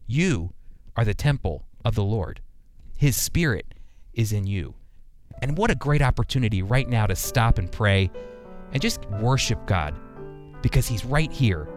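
A man's voice: on the low side, lively intonation, a little slow, long pauses, faint music behind. An American man hosting a Christian radio program, teaching in a conversational preaching style with earnest, emphatic phrasing. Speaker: radio host and Bible teacher. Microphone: close studio microphone.

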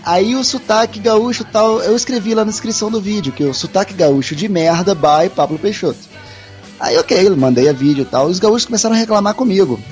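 A man's voice: sits high, a little fast, a little mellow, faint music behind. A man with a Mineiro Brazilian accent, swearing and laughing as he tells stories in a casual podcast chat. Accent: Mineiro Brazilian Portuguese. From Minas Gerais, Brazil. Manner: laughing, profane storyteller. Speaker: podcast guest and video dubber.

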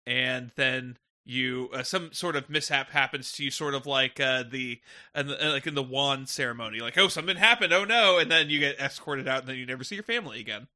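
A man in a casual chat, pitching an idea in a rambling way while searching for words. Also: a little fast, sharp tone.

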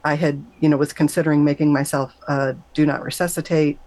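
On a low-quality recording, a middle-aged woman speaks briskly with a flat, somewhat mellow delivery. Appearing as a guest on an interview show, she earnestly and conversationally recounts a near-death experience, leaping up high in pitch whenever she acts out quoted voices.

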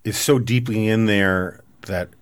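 Low-voiced man, chatty podcast host. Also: steady tone, a little slow. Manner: discursive, riffing on analogies. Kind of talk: casual political conversation.

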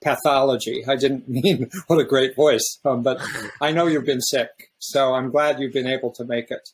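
A man hosting a podcast in a casual, reflective way, often halting and restarting his sentences. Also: medium pitch, steady tone, a little hiss or hum. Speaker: podcast host.

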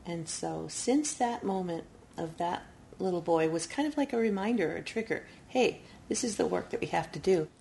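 A middle-aged woman recalling a day with her son, in a thoughtful, hesitant way, pausing to pick her words. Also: fairly low pitch, animated, vocal fry, a little mellow, a little hiss or hum. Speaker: mother and Indian education worker. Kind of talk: interview recollection.

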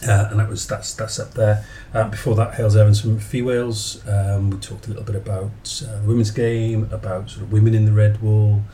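A man in his forties hosts a casual podcast in a low, soft-edged, mellow voice. He rambles gently and corrects himself mid-thought. There is faint background noise on the recording. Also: level tone, fairly quick, hardly any pauses. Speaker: podcast host. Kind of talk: casual chat, podcast introduction.

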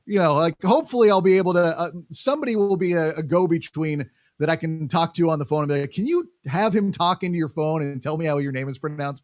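A young man co-hosting a casual soccer chat, animated, with lots of fillers and acted-out quotes. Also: on the high side, no echo, clean studio sound. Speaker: podcast co-host covering soccer.

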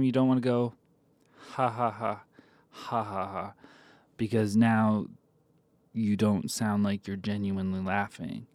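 A man recording a deadpan comedic voice memo into a phone, halting with lots of ums. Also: fairly low pitch, no echo. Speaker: comic giving mock advice.

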